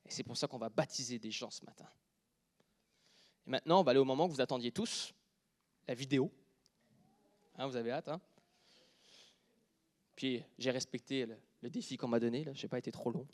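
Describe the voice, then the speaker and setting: A man with a Quebec French accent preaching a sermon, dropping to a near whisper and then joking loudly with the congregation. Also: mid-range voice, brisk, long pauses. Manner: shifts from quiet intimate speech to loud joking with the congregation.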